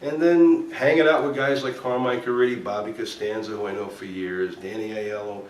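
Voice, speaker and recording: A former cop from New Jersey who became an actor swaps stories in a casual chat, an animated storyteller who acts out what people said. His voice is lowish and his speed normal, captured in an echoey room a bit away from the mic, with faint background noise.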